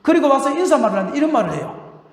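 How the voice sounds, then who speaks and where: An older male pastor preaching a sermon, telling stories with laughter and shouting the scripture lines. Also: extremely high pitch, big pitch swings, rapid-fire. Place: church sanctuary. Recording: roomy hall reverb.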